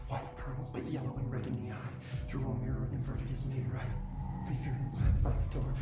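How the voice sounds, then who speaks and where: An actor voicing an eerie, otherworldly hive entity from a game. It chants cryptic riddles like incantations, disembodied and set back from the mic in deep echo, with loud music all around. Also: recorded from a distance, natural voice. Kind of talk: incantatory video game voice acting.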